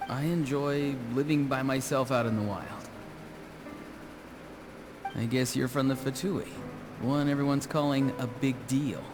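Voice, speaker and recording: An actor playing an earnest, slightly odd young loner who gardens, in a video game, speaking plainly and matter-of-factly. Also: male voice, medium pitch, fairly even intonation, normal speed, lightly acted. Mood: guarded, puzzled. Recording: music behind the voice.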